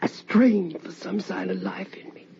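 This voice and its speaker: An actress playing the sorrowful ghost of a middle-aged mother in a radio drama, with a halting, brooding delivery. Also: medium pitch, steady tone, gravelly, dark tone. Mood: hushed dread. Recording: dull, noisy old-time radio recording.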